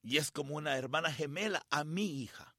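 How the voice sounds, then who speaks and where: A middle-aged man preaching a sermon, telling a personal story with feeling and dramatic pauses. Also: fairly high pitch, gravelly, pushed and bright, no echo, studio quality. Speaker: pastor.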